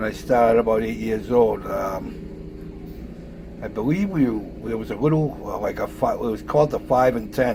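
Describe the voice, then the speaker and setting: A man at a moderate pace, with ordinary pitch variation, long and frequent pauses, and noticeable background noise. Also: medium pitch for a man. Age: 50s. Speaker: model-building hobbyist vlogger. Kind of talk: casual vlog monologue. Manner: halting, many fillers and restarts.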